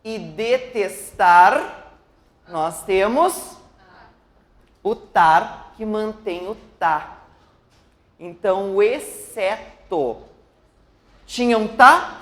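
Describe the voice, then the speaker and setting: A woman's voice: mid-range voice, fairly bright tone, roomy sound. A woman teaching Portuguese for a public exam, walking students through each question and asking them to answer. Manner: explains step by step, asks students questions. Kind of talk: exam-prep lesson.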